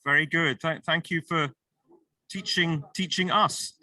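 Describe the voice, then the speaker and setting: A man's voice: fairly high pitch, steady tone, unhurried, bright, forceful tone, dry recording. A man moderating an online panel discussion, encouraging and thinking aloud as he goes. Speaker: session moderator.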